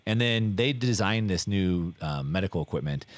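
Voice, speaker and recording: A middle-aged man telling his life story in a casual interview, animated and full of fillers and restarts. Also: low voice, normal speed, no room sound. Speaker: guest.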